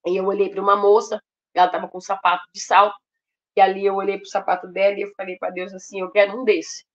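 A woman's voice: mid-range voice, little pitch movement, fast, dull audio. A Brazilian woman telling an emotional personal testimony at a ministry, talking straight to her listeners. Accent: Brazilian Portuguese. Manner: emotional, addresses listeners directly as "gente".

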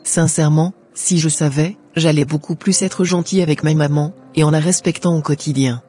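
A headstrong young orphaned daughter, acted by a woman in a Christian cartoon. Her voice is dark and mellow, her delivery dramatic and full of regret. Light music plays underneath. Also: low-pitched, steady tone, normal speed, lightly acted. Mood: grieving, regretful. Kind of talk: amateur Christian cartoon dubbing.

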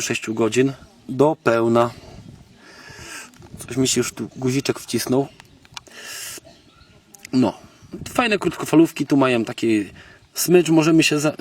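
A man from Poland gives a casual, unscripted gadget demonstration as a video blogger, halting and thinking aloud in colloquial, slangy speech. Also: medium pitch. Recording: noisy, distant microphone, background clicks.

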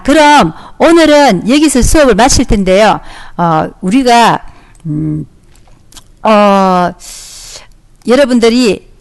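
A woman teaching an audio-only class to young children, talking them through with encouraging questions and acting out their lines. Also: a little high. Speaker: elementary school teacher. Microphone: close microphone, audio only.

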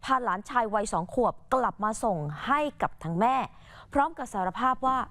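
A female co-anchor presents her part of the story in a polite, measured way. Her voice is slightly high, and the sound is dry and close. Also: expressive, fairly bright tone, no echo. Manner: polite, measured, brief acknowledgements. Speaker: news co-anchor. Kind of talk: news presentation.

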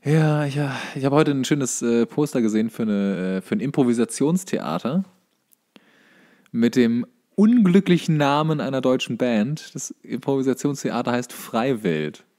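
A man's voice: mid-range voice, animated, normal speed, dark tone. A young man with a German accent, chatting casually as a podcast co-host.

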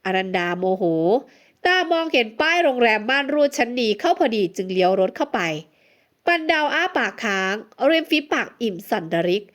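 A woman narrating a romance audiobook in an expressive storytelling manner. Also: on the high side, normal speed.

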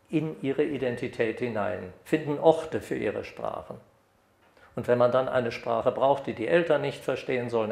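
An older man giving an academic lecture at a podium microphone, lively when reading examples aloud. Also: medium pitch, vocal fry. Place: lecture hall. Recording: echoey hall.

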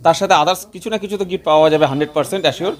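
A man with a West Bengal Bengali accent giving an emphatic, repetitive promotional sales pitch as a showroom promoter. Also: very fast. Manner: emphatic, repetitive listing of offers.

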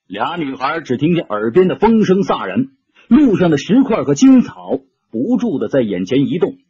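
A man's voice: on the high side, huge pitch swings, normal speed, highs cut off, crowd noise. A man narrating an audiobook story dramatically, shifting his tone with the action.

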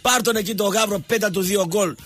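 A man hosting a sports talk show, ranting sarcastically and mocking people, going from loud outbursts to low muttering. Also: slightly rough, faint music behind. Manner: sarcastic, mocking, switches between shouting and muttering. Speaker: radio sports talk host. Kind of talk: ranting monologue.

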